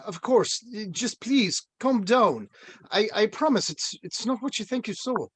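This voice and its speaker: Guy acting soothing commune man, kinda hesitant, high male voice, dry close sound. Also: expressive, unhurried, fairly bright tone, slightly rough, dry recording, heavily acted. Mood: placating. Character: placating, falsely friendly male commune member. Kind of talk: dramatic table read.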